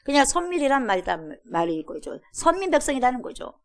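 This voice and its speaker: A woman pastor preaches from the pulpit of a church. Her voice sits a little high for a woman. She leans hard on her points and keeps asking the congregation questions. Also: very animated, brisk. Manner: emphatic, with rhetorical questions and acted-out quotes. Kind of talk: sermon. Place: church sanctuary.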